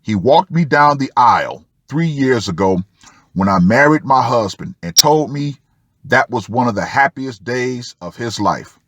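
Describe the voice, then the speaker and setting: Slow, deliberate man with animated delivery. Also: medium pitch, no echo. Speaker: host of an online commentary show. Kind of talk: reading a post aloud with commentary.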